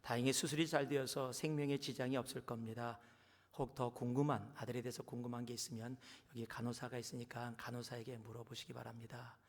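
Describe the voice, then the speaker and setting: A man voicing a calm, gentle surgeon who speaks softly and soothingly. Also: mid-range voice, a little fast, close to an everyday voice. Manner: soft, soothing, apologetic. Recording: long church hall reverb.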